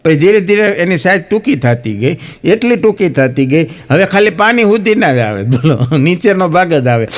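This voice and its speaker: A man with a Gujarati accent doing stand-up comedy, his pitch sitting a little high and swinging widely as he tells his jokes. He slips into the voices of the people in his stories as he goes. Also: very animated, moderate pace. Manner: storytelling, acts out quoted characters. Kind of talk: stand-up joke telling.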